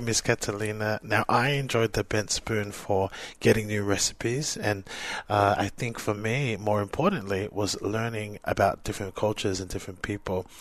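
A man's voice: lowish voice, fairly even intonation, normal speed, no room sound. A man hosting a conversational radio interview podcast. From Samoan, living in Australia.

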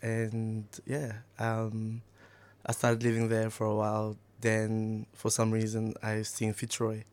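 A man from Egypt speaks in a low, even voice with little rise and fall. He answers a radio host in a relaxed way, often with short easygoing replies. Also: slow pace, smooth. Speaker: youth community engagement worker. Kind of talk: casual radio interview.

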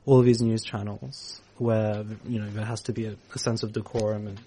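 A man's voice: lowish voice, flat delivery, fairly quick, warm tone, a little hiss or hum. A man hosting a community radio show, chatting casually and thinking aloud with fillers. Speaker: radio host. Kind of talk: casual interview chat.

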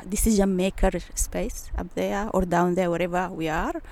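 Woman around sixty, low gravelly voice, warm and mellow, earnest. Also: steady tone, moderate pace. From Eritrea. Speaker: interview guest. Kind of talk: casual interview.

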